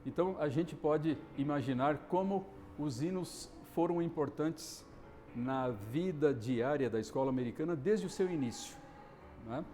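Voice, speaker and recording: A man explaining history in a measured, lecturing way during an interview. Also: on the high side, warm tone, slight background noise. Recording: reverberant hall with faint music.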